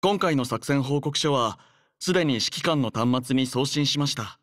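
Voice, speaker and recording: A man voicing a courteous, earnest young android soldier in an anime game, speaking in a polite, formal, measured manner. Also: medium pitch, expressive, fairly bright tone, no room sound, clean studio sound, natural voice. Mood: considerate, composed. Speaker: game character voice. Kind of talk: scripted anime game voice lines.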